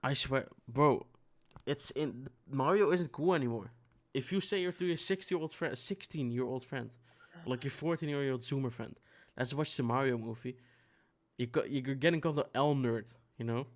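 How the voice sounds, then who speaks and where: Young man, rambling casual chat, swears a lot, mid-pitched voice. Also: normal speed, few pauses. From Netherlands. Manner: rambling, profane, restarts a lot. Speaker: podcast co-host.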